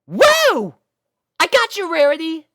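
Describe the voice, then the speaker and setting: A woman voicing a young male dragon in a storybook reading, eager and bashful, with a hesitant, excitable manner. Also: very high voice, takes it slowly, no room sound, clean studio sound, voice pushed up, exaggerated voice. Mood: alarmed, apologetic.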